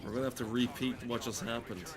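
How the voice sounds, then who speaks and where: A man's voice: mid-range voice, fairly even intonation, fast. Sweary, sardonic man commenting on gameplay. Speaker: game streamer.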